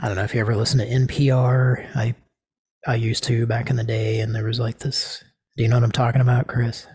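A man hosting a casual comedy talk show, rambling with deadpan crude jokes. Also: medium pitch, a little fast, breathy edge, dry recording. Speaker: host.

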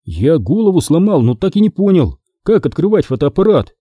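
A man's voice: on the high side, sing-song, brisk, breathy edge, no echo, muffled recording, voice pushed up. A man voicing a level-headed, cautious boy in a storybook reading.

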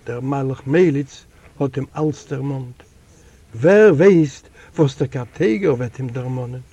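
A man reading a literary story aloud as an audiobook narrator, in a slow, measured, solemn storytelling manner. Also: mid-range voice, mellow, breathy edge, lo-fi sound. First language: Yiddish. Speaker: audiobook reader. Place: library recording room.

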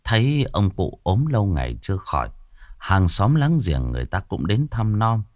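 A man's voice: low-pitched, wildly swooping pitch, moderate pace, no echo, studio quality. A man narrating a ghost story with a dramatic storytelling delivery.

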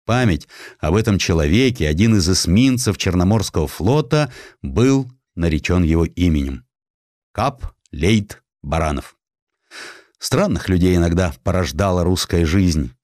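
A man narrating a historical essay as an audiobook, reading from a script in an expressive storytelling way with dramatic emphasis. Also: deep voice, a little slow, dry recording, clean studio sound.

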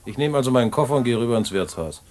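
A man's voice: medium pitch, lively intonation, racing, darkish tone, natural voice. An actor playing a streetwise male black-market trader who talks colloquially and confides his own story in a radio play. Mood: matter-of-fact. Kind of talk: radio play dialogue and first-person narration.

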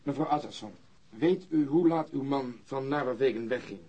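Husky, blunt detective. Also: male voice, mid-range voice, moderate pace, mellow, lo-fi sound. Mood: insistent. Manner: direct, probing. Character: blunt, insistent male police detective. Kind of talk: radio drama acting.

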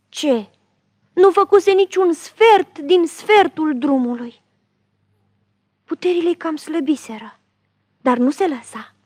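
A woman tells a fairy tale in a hushed, dramatic manner, often dropping very low in volume. Her voice sits high, and the recording is dry and close. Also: dry recording. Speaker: storyteller.

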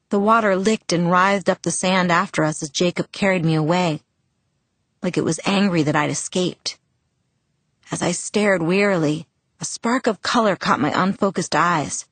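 A woman reading a novel aloud in first person, steady and measured. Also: fairly low pitch, no echo. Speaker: audiobook narrator. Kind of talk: scripted first-person narration.

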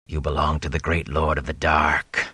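Monster: a man doing a cruel eyeless creature, hoarse grating whisper, very low and dry. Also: level tone, pushed and bright, no room sound, full character voice. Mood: menacing. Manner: menacing, slow. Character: eyeless monstrous male Fade, cruel and mocking.

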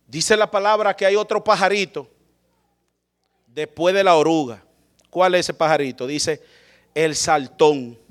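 A male preacher giving a dramatic sermon, swinging between loud calls and quiet low asides to the congregation. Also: a little slow, long pauses.

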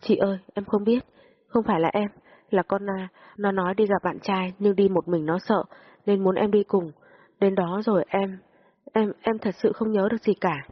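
A frightened young woman, voiced by a woman begs through tears in a slightly raised, husky voice. Her pleading runs unbroken. The audio-story recording sounds dull and lo-fi. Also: steady tone, moderate pace, close to an everyday voice. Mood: tearful pleading. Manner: pleading, higher and tearful. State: crying. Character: frightened young woman under police questioning.

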